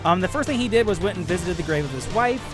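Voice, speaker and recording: A man's voice: high voice, lively intonation, fast. A man hosting a podcast, narrating an introduction and a casual recap. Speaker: podcast host. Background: background music under the voice.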